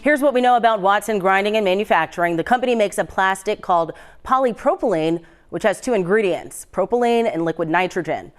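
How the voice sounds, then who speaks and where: Female TV news anchor, American accent, medium pitch, scripted broadcast delivery over light music bed. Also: fairly quick, hardly any pauses. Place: television news studio.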